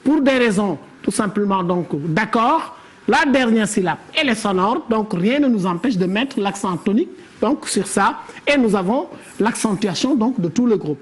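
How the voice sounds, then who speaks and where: A woman's voice: medium pitch, animated, moderate pace. A woman teaching a classroom lesson on verse. She explains step by step and calls on pupils by name. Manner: didactic, questions pupils by name.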